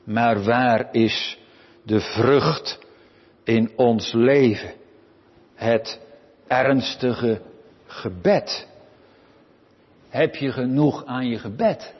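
Slow, husky preacher in a reverberant church. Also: male voice. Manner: earnest, rising to loud pleading then dropping low; addresses listeners with direct questions. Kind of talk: sermon. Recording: lo-fi recording with long church reverb.

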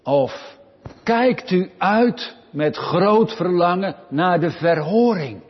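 Man, preacher, sermon, earnest direct questions, very slow, lo-fi church recording with long reverb. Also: animated, slightly rough. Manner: earnest, rising to loud pleading then dropping low; addresses listeners with direct questions.

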